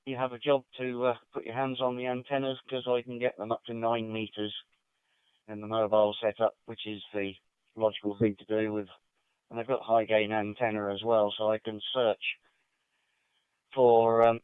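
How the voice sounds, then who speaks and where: A man's voice: mid-range voice, level tone, moderate pace, smooth, dry recording. A man checking in on an amateur radio net, heard over a digital two-way radio link, opening and closing with call signs. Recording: tinny band-limited radio audio, dry.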